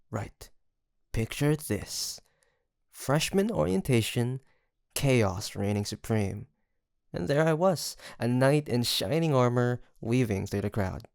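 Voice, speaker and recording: A sweet young male roommate, acted by a man in an intimate audio roleplay. His voice has a creaky edge and swings with lively pitch as he teases his best friend. The sound is dry and close. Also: slow pace, long pauses, no room sound. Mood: playful, mock-grand. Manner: teasing, chuckling, mock-grandiose storyteller.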